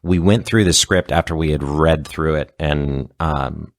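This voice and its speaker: A man's voice: very deep voice, unhurried, dry recording, clean studio sound. A man chatting casually as a comedy performer and writer guesting on a podcast. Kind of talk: casual chat.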